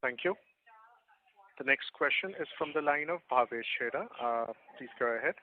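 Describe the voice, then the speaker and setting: Call operator guy, formal, middle pitch, tinny phone line with a little hiss. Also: moderate pace. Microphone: telephone conference line. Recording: noisy, narrow phone line.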